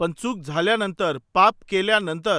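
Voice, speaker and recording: In a dry, close recording without echo, a man uses a raised, projected voice with a bright, sharp tone and ordinary pitch variation. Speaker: preacher. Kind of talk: sermon, preaching to congregation.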